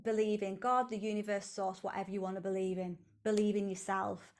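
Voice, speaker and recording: A woman hosting a podcast, giving a slow, earnest and repetitive motivational talk. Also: medium pitch, level tone. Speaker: podcast host, coach. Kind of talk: reflective solo motivational talk.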